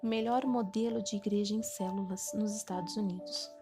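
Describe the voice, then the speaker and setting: A woman with a Brazilian Portuguese accent narrates a Christian devotional book in an earnest, steady manner. Her voice sits at an ordinary middle pitch. Clear instrumental music plays beneath the reading throughout. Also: brisk. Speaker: audiobook narrator.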